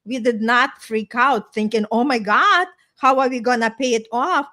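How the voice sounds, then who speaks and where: A woman's voice: on the high side, normal speed, pushed and bright. Chatty Eastern European woman, middle-aged. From small town in Ukraine, former Soviet Union. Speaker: podcast host and life coach. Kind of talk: casual personal storytelling in conversation.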